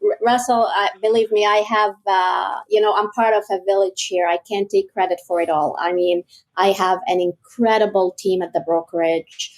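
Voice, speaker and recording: A woman in her forties, born in Egypt, answers interview questions in a steady, considered manner. Her voice sits at a middling pitch. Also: normal speed. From Egypt, raised in Kuwait. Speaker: guest, real estate broker. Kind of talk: interview conversation.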